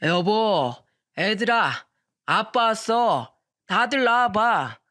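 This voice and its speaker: A woman reading a radio story, voicing a drunk, domineering middle-aged husband who yells at his family. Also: fairly high pitch, expressive, normal speed. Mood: drunk, bossy. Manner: slurred, domineering yelling.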